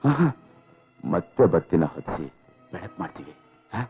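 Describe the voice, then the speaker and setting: A man's voice: low voice, very animated, measured pace, exaggerated voice. An actor playing an aging imprisoned father who tenderly soothes and pleads with his daughter. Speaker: jailed father. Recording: dull lo-fi film soundtrack with faint music.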